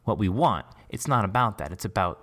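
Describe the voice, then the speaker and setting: Low voiced guy, podcast host, super encouraging and casual, kinda reflective. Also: animated, fairly quick, fairly bright tone. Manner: encouraging, effusive, informal. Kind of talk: casual, reflective interview chat.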